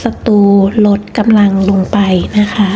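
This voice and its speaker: A woman's voice: a little slow, mellow, a little hiss or hum. A woman reading tarot cards in a chatty, casual monologue, emphatic and repeating herself with many fillers. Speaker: tarot card reader.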